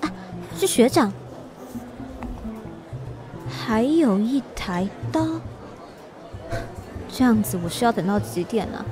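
Casting: young Taiwanese woman, higher voice, weary and self-reliant, radio drama monologue over music. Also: lively intonation, slow pace, pauses often, crowd noise. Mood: weary musing. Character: weary independent young woman back from abroad.

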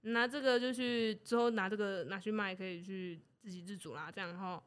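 A woman with a mid-range, clean voice talks fairly quickly as she co-hosts a casual podcast. She retells an old story in a lively way, laughing and playfully acting out the characters' lines.

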